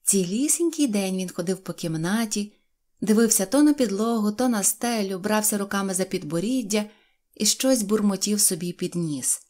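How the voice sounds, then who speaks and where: A woman narrating a children's fairy-tale audiobook in a calm, even storytelling manner. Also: mid-range voice, normal speed.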